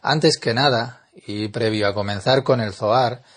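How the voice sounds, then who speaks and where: A man teaching a spiritual lesson in an earnest, measured lecturing manner. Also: mid-range voice. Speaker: Kabbalah teacher.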